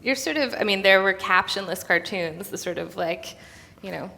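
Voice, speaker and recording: A big hall's reverb trails a woman with a bright, crisp-edged voice. She is interviewing on stage, speaking informally and chattily, as if in casual conversation. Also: medium pitch, expressive, normal speed. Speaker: interviewer presenting cartoons. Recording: echoey hall with long reverb.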